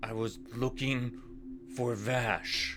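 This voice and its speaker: A put-on character voice comes through with clear background noise. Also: man, medium pitch for a man. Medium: actual play.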